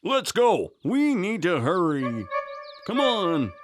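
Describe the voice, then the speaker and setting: A woman's voice: lowish voice, very animated, takes it slowly, dry recording, faint music behind. A woman voicing a conceited, educated young man, a suitor in a children's storybook tale. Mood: smug.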